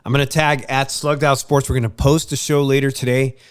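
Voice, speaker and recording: A man's voice: medium pitch, flat delivery, fairly quick, clear, resonant tone, dry recording. Congested man hosting a sports podcast. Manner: rambling, restarts with many uhs. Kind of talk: casual sports chat.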